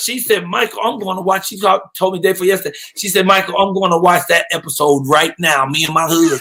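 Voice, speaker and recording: A man's raised, projected voice, high-pitched and animated, at a fairly quick pace with hardly any pauses. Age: 60s. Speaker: comedian and morning show host. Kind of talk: casual live show chat.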